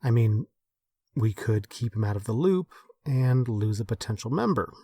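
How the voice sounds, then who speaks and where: An actor playing a modest, self-doubting leader, hesitant and thoughtful, in naturalistic audio drama dialogue. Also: male voice, mid-range voice, animated, moderate pace, mellow, slightly rough, no echo. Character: modest, self-doubting man leading a small group.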